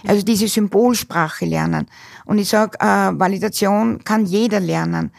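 A woman, a dementia care expert giving measured answers in an interview, pausing often with fillers. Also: mid-range voice, creaky, darkish tone.

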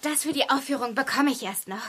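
Audio play role: sweet young schoolgirl, very high and animated, faint noise behind. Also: quick pace. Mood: sweet, excited. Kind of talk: children's audio drama acting.

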